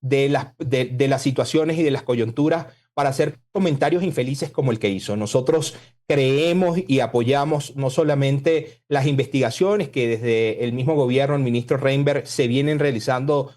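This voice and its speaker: A man from Venezuela, a political spokesman, speaking forcefully and combatively as a guest in a radio interview. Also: mid-range voice, moderate pace. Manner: forceful, combative political talk with emphatic lists.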